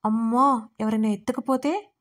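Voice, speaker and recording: A bubbly, childlike young woman who exclaims dramatically and blurts out whatever she thinks, voiced by a woman narrator. Her voice is fairly high and lively in a storybook way. The delivery stays light and impulsive. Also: moderate pace, natural voice. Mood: playful.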